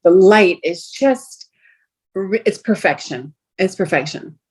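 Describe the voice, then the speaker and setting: A woman's voice: lowish voice, lively intonation, slow, darkish tone, husky. A middle-aged woman from Brooklyn, whose was Greek, chatting as a restaurant owner in a podcast interview with many fillers and restarts. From Brooklyn, New York. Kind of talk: casual interview chat.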